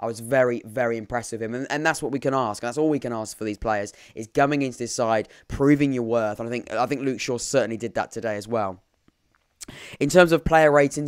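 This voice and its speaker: A man with an English accent talks very fast. His intonation is fairly even. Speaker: football podcast host. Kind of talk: live stream match reaction. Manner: halting, many repetitions.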